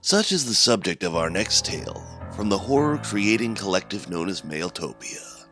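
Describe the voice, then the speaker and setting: A man performs an ominous host of a mysterious otherworldly signal, very deep and bright-edged, with lively swoops in pitch. His horror narration is theatrical and portentous, set over music. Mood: ominous, musing. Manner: portentous, ornate, deliberate phrasing. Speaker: host of a horror anthology podcast. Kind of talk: scripted dramatic horror narration. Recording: music under the voice.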